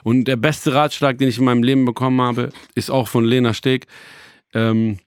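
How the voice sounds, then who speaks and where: A man's voice: medium pitch, little pitch movement, moderate pace, smooth, no room sound. Rambling man, dry close sound. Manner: rambling, many fillers and restarts, joking asides. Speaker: hip-hop journalist. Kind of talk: casual chat.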